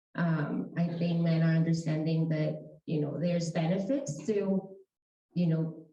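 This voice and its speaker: Speaking at a fairly slow pace with fairly even intonation, a woman with a fairly low pitch is heard amid audible room echo. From Mexico. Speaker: panelist, engineer. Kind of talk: panel discussion.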